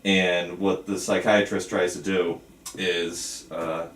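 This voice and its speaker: A man's voice: low voice, level tone, slow, a bit bright. A man leading a script table read as filmmaker, talking casually and reading out stage directions. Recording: roomy, distant, faint background noise.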